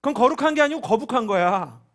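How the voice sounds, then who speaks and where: A man voicing a sarcastic, rebuking Lord, speaking much higher and louder than his own talk. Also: animated, quick pace. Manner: mocking, sarcastic, then rebuking. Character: sarcastic scolding Lord, male, stern.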